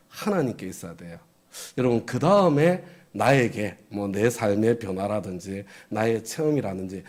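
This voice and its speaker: A man's voice: medium pitch, warm tone. A middle-aged man preaching a sermon as pastor, conversational, often asking the congregation questions and chuckling.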